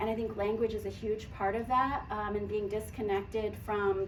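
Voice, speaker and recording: With a Midwestern American accent, a woman speaks at a moderate pace and medium pitch, with audible room echo and noticeable background noise. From US Midwest, rural southern Illinois. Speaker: artist. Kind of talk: Q&A at artist talk. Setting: gallery with audience. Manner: casual, hesitant with fillers.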